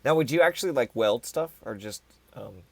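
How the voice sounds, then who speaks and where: A man's voice: medium pitch, animated, a little fast, vocal fry. A man co-hosting a casual podcast, laid-back, joking and asking his friends questions. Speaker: podcast co-host, band member. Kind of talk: casual chat.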